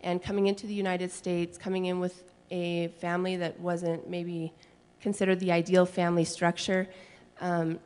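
A woman high school language teacher giving a steady conference talk into a handheld mic on stage. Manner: steady, explanatory, some fillers. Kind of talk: conference presentation. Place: large school hall, on stage. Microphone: handheld microphone. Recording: long reverb of a large hall.

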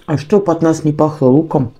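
Very dark-voiced woman chewing food. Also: low-pitched, normal speed, muffled recording. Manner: chatty, homely, talks to herself and the viewers. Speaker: mukbang vlogger. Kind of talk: casual chat while eating on camera.

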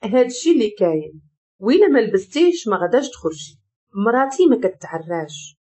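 Controlling husband figure read by a woman, Moroccan accent, calm, commanding, lively pitch. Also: fast talker. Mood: stern. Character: controlling jealous young husband, calm and cold.

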